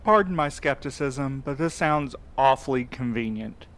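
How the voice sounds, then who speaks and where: A man's voice: medium pitch, expressive, moderate pace, fairly bright tone, natural voice. A man playing a skeptical, guarded courier in an audio drama, with an articulate, wry way of talking. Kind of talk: scripted audio drama acting. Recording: outdoor night insect ambience behind voice. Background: crickets and night insects.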